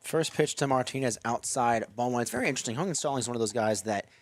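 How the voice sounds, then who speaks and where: A young man calling a baseball game on the radio from a ballpark press box, steady in tone and lifting his voice on big plays. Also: medium pitch, fast. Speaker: play-by-play announcer.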